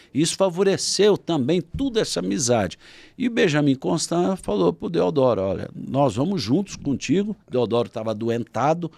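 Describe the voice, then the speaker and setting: A man with a Brazilian Portuguese accent, a guest author, telling a historical story in a podcast interview and acting out shouted quotes. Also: medium pitch, creaky, dry recording.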